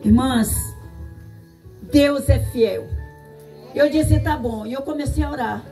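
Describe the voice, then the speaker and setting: A woman's voice: high-pitched, takes it slowly, mellow. A middle-aged woman with a Brazilian Portuguese accent giving a tearful church testimony in a sing-song preaching cadence. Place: church service. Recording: distant mic with faint music.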